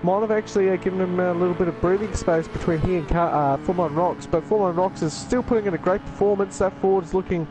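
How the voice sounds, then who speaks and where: A man's voice: sits high, fast talker, few pauses, background noise. A man co-commentating a sim racing stream, analysing the cars with many fillers. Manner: rambling, filler-heavy analysis.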